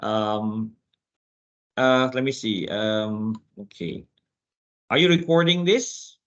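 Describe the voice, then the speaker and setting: Halting Indonesian man, slow and bright. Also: fairly low pitch. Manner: halting, hesitant, frequent pauses and repeated words. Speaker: guest speaker, IT security expert. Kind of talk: informal webinar presentation. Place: office, over an online video call. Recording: dull, compressed online call audio.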